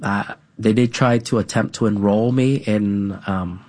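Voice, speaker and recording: A man who grew up speaking Vietnamese at home, talking as an interview guest in a halting way, with many fillers and an added "right?". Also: fairly low pitch, steady tone, darkish tone. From United States. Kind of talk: casual conversational interview.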